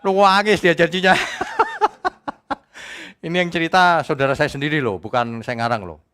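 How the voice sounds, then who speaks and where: A male pastor preaching a sermon in a church service, talking in a joking, conversational way that swings between loud exclamations and quiet asides. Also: fairly high pitch, huge pitch swings, a little slow.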